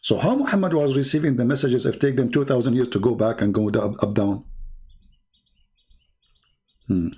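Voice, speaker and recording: A man's voice: medium pitch, normal speed, pauses often, dark tone, slightly rough. A man from the Arab world, a native Arabic speaker with an Arabic accent, hosting a live online debate and taunting callers to challenge him. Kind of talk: live-streamed religious debate talk.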